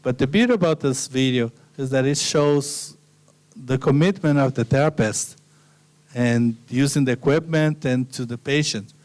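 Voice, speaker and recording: Man giving a smooth, relaxed slide lecture. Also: medium pitch, moderate pace. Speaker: guest lecturer.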